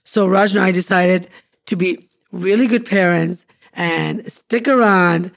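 A woman's voice: lowish voice, fairly even intonation, a little slow, vocal fry. A woman in her forties co-hosts a casual podcast with her husband. She speaks earnestly and upbeat, building her points as short lists. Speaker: podcast co-host. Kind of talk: casual couple's podcast chat.

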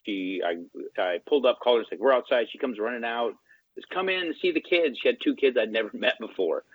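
A man's voice: medium pitch, a little fast, breathy edge. A man telling a story as an interview guest in a casual way, acting out the dialogue as he goes. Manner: animated, acts out quoted dialogue. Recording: tinny phone-line sound, dry.

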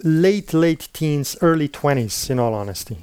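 A man in his thirties, a native Slovenian speaker, talks reflectively in an interview. His voice is mellow and clean, recorded close and dry. He hedges and checks in with the listener often. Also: a little high, animated, measured pace, clear, resonant tone, no room sound. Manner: thoughtful, hedging, often adds "right?" and "in all honesty". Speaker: interview guest.

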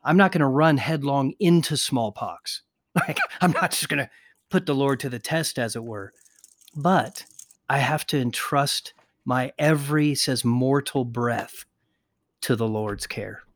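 A man's voice: mid-range voice, a bit bright. A man co-hosting a podcast discussion, talking earnestly and reading quotations aloud with small restarts. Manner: earnest, reads quotes aloud with pauses and restarts. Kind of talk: conversational discussion with quoted readings.

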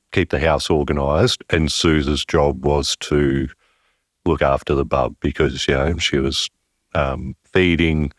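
Deep-voiced man, thoughtful and halting. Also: no room sound, clean studio sound. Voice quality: deep resonant voice. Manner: thoughtful, halting, searching for words. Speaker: father interviewed about parenthood. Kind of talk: reflective interview conversation.

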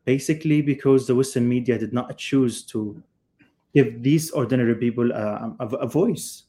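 A journalist from Palestine answering in a live interview, speaking earnestly and haltingly with many fillers and restarts. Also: male voice, medium pitch, warm tone. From Gaza, Palestine. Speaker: journalist, guest.

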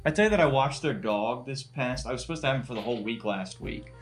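A man's voice: medium pitch, animated, quick pace, faint music behind. A man chatting casually as a comedy podcast co-host, with a crude, joking, profane way of talking.

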